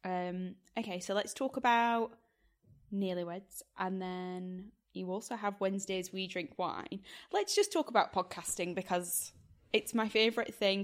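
A young woman from Yorkshire hosts a podcast interview. She chats in a casual, easygoing way and keeps her guest talking. Now and then she drops a swear word. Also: medium pitch. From Yorkshire, England. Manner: chatty, encouraging, casual swearing. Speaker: podcast host.

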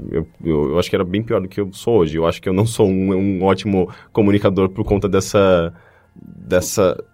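A Brazilian man chatting casually as a podcast co-host, halting and stumbling over his words as he repeats them. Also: low voice, warm tone. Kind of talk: casual conversation. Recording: music behind.

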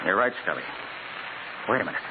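An actor playing a decisive private detective in a 1940s radio drama, with a clipped, authoritative way of giving orders. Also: male voice, lowish voice, expressive, quick pace, phone-quality sound, natural voice. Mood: cool, deliberate. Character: decisive, commanding male private detective, cool under danger. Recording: noisy, thin 1940s radio recording.

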